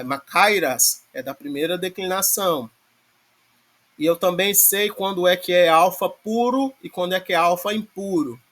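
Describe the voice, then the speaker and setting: Guy teaching a class online, patient, keeps checking everyone's following, kinda high voice. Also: fairly bright tone. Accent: Brazilian Portuguese. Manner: explains patiently with many filler checks like "né?". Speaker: Greek language teacher. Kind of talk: online lecture on grammar.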